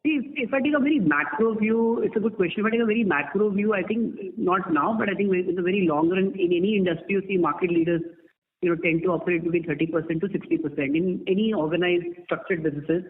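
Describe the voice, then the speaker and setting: A man with an Indian accent, a company executive answering investors in measured corporate speech peppered with "you know", over a tinny conference line. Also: high-pitched. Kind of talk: earnings call answers. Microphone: telephone.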